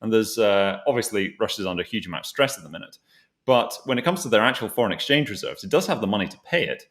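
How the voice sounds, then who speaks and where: A man's voice: fairly low pitch, animated, quick pace, fairly bright tone. A man hosting a conversational financial discussion, explaining things as he goes and often rewording his phrases. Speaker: host asking a co-presenter for his thoughts.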